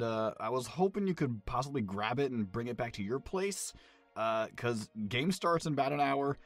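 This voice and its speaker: A man's voice: medium pitch, fairly bright tone, dry recording, lightly acted. A man playing a rambling goofy conductor. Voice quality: rambling, self-deprecating. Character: rambling goofy male train conductor on voicemail.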